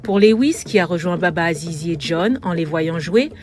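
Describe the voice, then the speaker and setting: Female reporter, voice-over news narration, measured and lyrical, soft music bed underneath. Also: fairly low pitch, animated.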